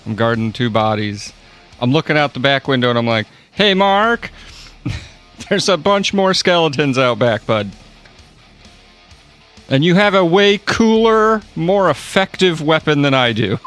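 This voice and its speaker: A man's voice: on the high side, lively intonation, a little slow, fairly bright tone, clean tone, faint music behind. A man playing a tabletop roleplaying game, casually and jokingly describing what his character does.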